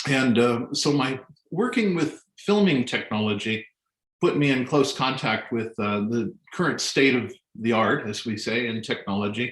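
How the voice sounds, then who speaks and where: A man talks at a moderate pace in a medium pitch, his intonation lively. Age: 60s. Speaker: blind designer and former television producer. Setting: webinar. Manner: halting.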